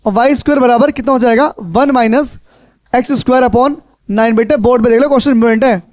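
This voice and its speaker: High-voiced male maths teacher lecturing. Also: fast, a little mellow, dry recording. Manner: repeats questions to students, coaxing and instructive. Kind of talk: classroom lecture. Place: classroom.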